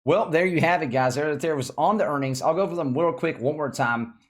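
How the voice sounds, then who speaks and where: A man's voice: fairly high pitch, a little fast. A man hosting casual stock market commentary in an informal, opinionated, colloquial way. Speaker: stock video host.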